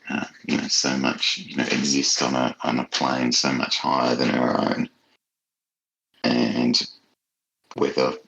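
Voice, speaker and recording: Male author guest, bottom-register pitch, creaky grain, reflective and halting conversational delivery. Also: a bit bright, low-quality recording. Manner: thoughtful, halting, searches for words. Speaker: horror author being interviewed. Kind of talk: casual, reflective interview talk.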